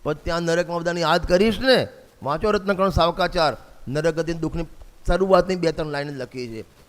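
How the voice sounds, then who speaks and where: A man's voice: a little high, brisk. A man delivering a sermon in a slightly raised voice, returning again and again to one refrain and pressing his listeners with rhetorical questions. His voice rings out through the long reverb of a large hall. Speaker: preacher.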